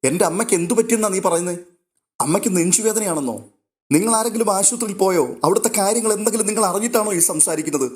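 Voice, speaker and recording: A man voicing a frantic middle-aged mother who pleads and wails in quick questions. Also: a little high, natural voice. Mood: alarmed.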